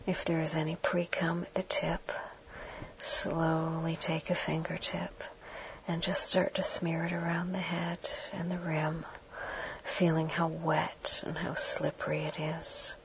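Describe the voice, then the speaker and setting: Whispered role-play: woman, murmuring right at the ear, very monotone and unhurried, on a dull, noisy recording. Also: on the low side. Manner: slow, hushed, instructing the listener directly. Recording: dull muffled audio with clear background noise.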